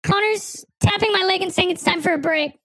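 A man voicing a small boy who talks through a buzzy talk box, snide and deadpan, on a comedy podcast. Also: very high-pitched, a little fast, dry recording. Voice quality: robotic, droid-like.

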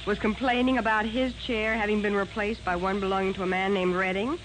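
An actress playing an alert, loyal detective's assistant in a 1940s radio drama, perky, casual and inquisitive. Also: female voice, medium pitch, fairly even intonation, brisk, a bit bright, natural voice, rough recording. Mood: curious, helpful. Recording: hissy old radio recording.

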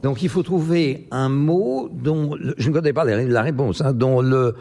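Guy hosting a word game chat, kinda gravelly, lots of euh and restarts. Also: medium pitch, a little slow, warm tone. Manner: hesitant, many fillers. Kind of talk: casual chat about word games. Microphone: GoPro camera.

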